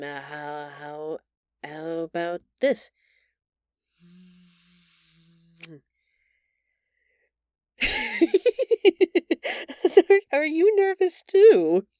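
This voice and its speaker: A woman playing a gentle, shy female alien who stammers earnestly and apologetically in an intimate audio roleplay. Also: low-pitched, clean tone, no room sound, full character voice. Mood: shy, nervous.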